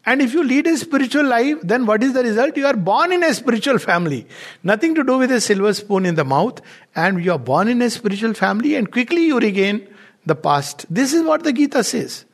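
Indian guy doing a spiritual talk, kinda high voice w lots of gravel, rambly but emphatic. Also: sing-song, brisk. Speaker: spiritual teacher giving a talk. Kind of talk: informal discourse with read-out quotations and commentary.

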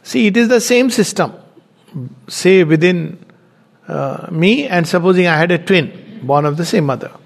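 A man's voice: high-pitched, lively intonation, normal speed, vocal fry. A man giving a spiritual teaching talk, explaining his points step by step. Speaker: spiritual lecturer.

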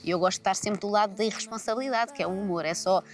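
A woman with a European Portuguese accent, a comedian chatting in an interview with a skeptical, ironic manner. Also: mid-range voice. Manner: ironic, skeptical, quick-talking. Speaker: comedian guest. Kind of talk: casual interview talk. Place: large empty arena.

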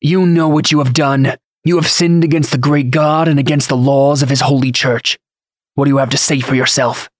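A man's voice: medium pitch, steady tone, normal speed, no room sound, clean studio sound, lightly acted. A man voicing a righteous, vengeful holy knight in an audiobook, intense and threatening. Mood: righteous menace. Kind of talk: audiobook character acting.

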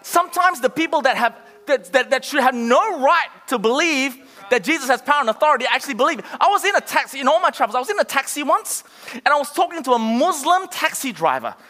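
A man preaching a sermon as pastor, impassioned, with shouted peaks and calls to the congregation. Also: extremely high pitch, very animated, fast. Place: church auditorium. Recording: reverberant church hall.

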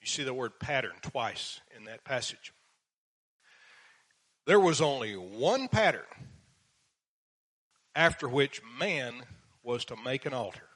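A man teaching the Bible verse by verse, reading passages slowly and then explaining them with dry sarcastic asides. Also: medium pitch, lively intonation, a bit bright.

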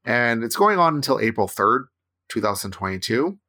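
Co-hosting a relaxed conversation, this Canadian man in his thirties speaks at normal speed in a medium-pitched, sharp, very animated voice. His talk wanders, with frequent restarts and "right?" tag questions.

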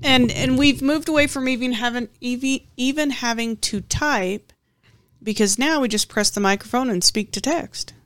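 A woman co-hosting a talk show in casual, reflective chat, measured and thoughtful, pausing mid-sentence. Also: a little high, dry recording.

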